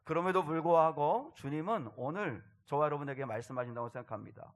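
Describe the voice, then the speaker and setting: A man preaching a sermon as pastor, telling a story earnestly, his voice dropping soft and then swelling louder. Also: a little high, quick pace.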